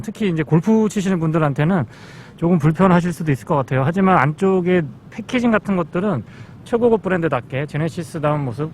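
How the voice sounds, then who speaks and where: A man with a notably high voice presents a car review in an explanatory, polite way. He sounds like a test-drive reviewer talking through features, with some vehicle and street noise behind him.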